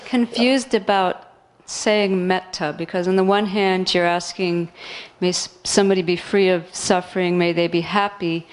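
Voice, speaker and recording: Smooth-voiced woman asking a question. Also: on the low side. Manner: earnest, puzzled questioning. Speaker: audience member. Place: lecture room with an audience.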